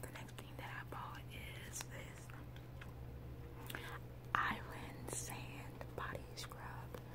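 A woman talks at a very slow pace, with long, frequent pauses between her words. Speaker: ASMR haul vlogger. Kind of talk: ASMR haul video, casual talk to camera. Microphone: phone near.

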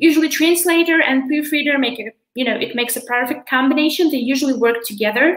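A woman's high voice with audible room echo over a quiet background. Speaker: localization specialist. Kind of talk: webinar presentation with slides. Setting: video call. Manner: friendly, conversational, hesitant with fillers.

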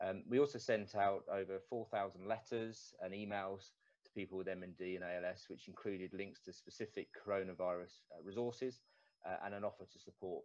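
A normal speaking voice at a moderate pace, fairly even intonation, quiet background. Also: man, fairly low pitch for a man. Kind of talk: conference presentation. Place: home room. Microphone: video call.

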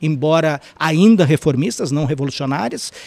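A man speaks at a high pitch. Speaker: podcast host and bookseller; podcast host, bookseller. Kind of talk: interview before live audience. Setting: bookstore with live audience. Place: shop. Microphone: studio mic.

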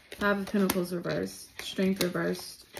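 Noticeable background noise can be heard. Through it, a woman talks at a moderate pace. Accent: American. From US South. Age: 30s. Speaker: tarot reader. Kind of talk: tarot reading. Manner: casual, rambling. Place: home room. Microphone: phone near.

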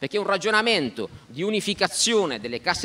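The man talks with lively intonation. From Apulia, Barletta; Apulia. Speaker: lawyer and activist; lawyer. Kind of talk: speech at political event. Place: garden. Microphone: podium.

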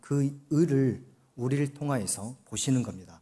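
A man with a dark, mellow tone and a fairly high pitch talks at a fairly slow pace. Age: 70s. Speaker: missionary preacher. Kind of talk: sermon with consecutive interpretation. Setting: church. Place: church. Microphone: podium.

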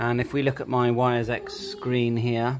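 A man talks at a fairly slow pace amid noticeable background noise. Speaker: amateur radio operator. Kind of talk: tutorial. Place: home room. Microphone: phone near.

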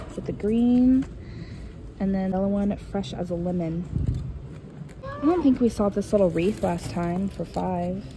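A woman's fairly slow speech with long, frequent pauses, with music in the background. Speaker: shopping vlogger. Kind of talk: casual vlog chat. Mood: cheerful, cooing over cute items. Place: shop. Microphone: phone near.

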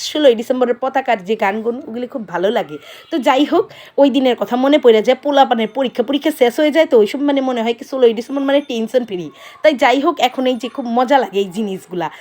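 A female speaker talks with a high pitch. The rise and fall of her voice is ordinary. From Old Dhaka, Bangladesh. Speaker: cooking vlogger. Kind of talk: cooking tutorial in casual dialect.

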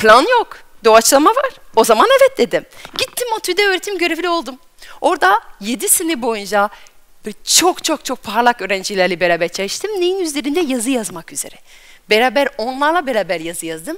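Her voice is high, and the woman talks at a fairly quick pace. Her pitch swings very widely against a quiet background. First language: not Turkish (English/French) (speaking Turkish). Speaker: storyteller and educator; storyteller, educator. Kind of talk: talk to audience, personal storytelling. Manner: halting, hesitant. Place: stage. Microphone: headset.

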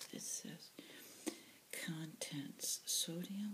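A woman's voice over light background noise. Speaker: ASMR product reviewer. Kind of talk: soft-spoken casual product review. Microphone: phone near.

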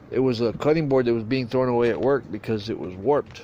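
Background noise is noticeable behind a man whose voice sounds dry, with no echo. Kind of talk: casual tutorial. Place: garden. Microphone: phone near.

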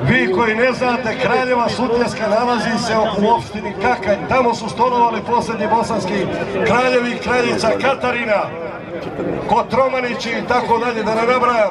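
A man talks at a moderate pace while crowd noise carries on in the background. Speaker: event announcer. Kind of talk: commentary. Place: stadium.

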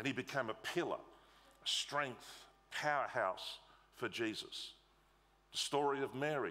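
A man with an Australian accent talks fairly slowly at a fairly high pitch, his tone bright and sharp and his loudness very even. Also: ordinary pitch variation. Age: 60s. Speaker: pastor. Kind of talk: sermon. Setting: church. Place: church.

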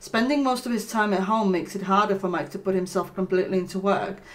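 Here a woman is speaking. Her pitch variation is ordinary. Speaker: streamer. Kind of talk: reading game text aloud with commentary. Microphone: headset.

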